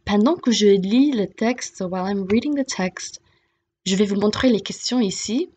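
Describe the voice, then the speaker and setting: A woman's voice: mid-range voice, moderate pace, dark tone, a little hiss or hum. A woman giving a casual French listening lesson, mixing English explanations with French and reading a book passage aloud. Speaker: French teacher.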